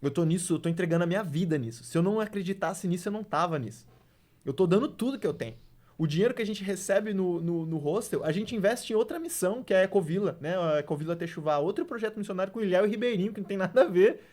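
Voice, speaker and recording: Earnest, higher-voiced missionary man. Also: animated, racing, a little mellow. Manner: earnest, testimony-style storytelling with frequent "né" and "cara"; emphatic, preacher-like when making his point. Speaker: missionary guest. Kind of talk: casual podcast conversation.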